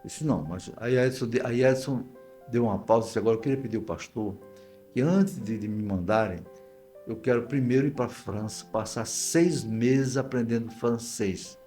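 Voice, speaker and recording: Older brazilian guy from the northeast, pastor telling old stories on a podcast, medium voice, soft music behind. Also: mid-range voice, moderate pace. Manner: anecdotal, acts out quoted dialogue, repeats phrases. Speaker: guest pastor. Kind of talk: conversational storytelling interview.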